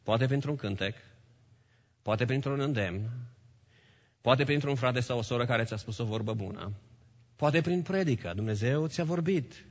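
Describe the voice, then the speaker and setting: A man preaching a sermon in a church, swinging between loud calls to the congregation and hushed, low lines. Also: long pauses. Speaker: pastor. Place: church hall. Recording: long hall reverb, dull lo-fi sound.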